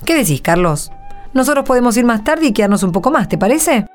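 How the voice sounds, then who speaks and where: A firm rural Argentine mother played by a woman in a radio drama. Her voice sits fairly high and she speaks with earnest, admonishing authority. Music plays lightly underneath. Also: very animated, fairly quick. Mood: practical. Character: firm, hard-working rural mother scolding her son.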